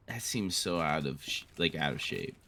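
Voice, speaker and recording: Deep-voiced, animated man bantering over games. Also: moderate pace. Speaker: co-host of a let's-play show. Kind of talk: casual gaming banter between friends.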